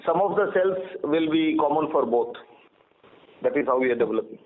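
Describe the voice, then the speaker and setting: A man's voice: fairly high pitch, expressive, a little fast. A man speaking as a senior company executive on an earnings call. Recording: narrow phone conference line.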